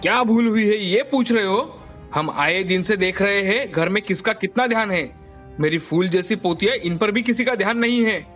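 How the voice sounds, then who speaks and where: A woman voicing a stern, angry old grandfather in an animated story, scolding and lecturing his family. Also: medium pitch, normal speed, faint music behind, pitched below the performer's own voice, close to an everyday voice.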